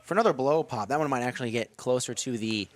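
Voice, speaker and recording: Steady young radio play-by-play man. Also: mid-range voice, fast talker, heavy background noise. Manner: steady, rises with the action on big plays. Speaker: play-by-play announcer. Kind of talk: radio baseball commentary. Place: press box at a ballpark.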